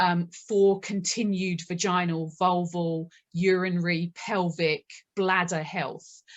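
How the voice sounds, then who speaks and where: With a British accent, the speaker talks at a very slow pace in a monotone, flat intonation. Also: woman, fairly low pitch for a woman. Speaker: psychotherapist and menopause expert. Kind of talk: expert interview explaining health topics.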